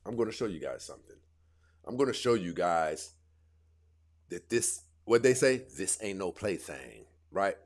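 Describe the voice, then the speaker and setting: A man hosting a dating advice stream, lecturing his viewers in a casual, animated way. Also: medium pitch. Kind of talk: casual live commentary.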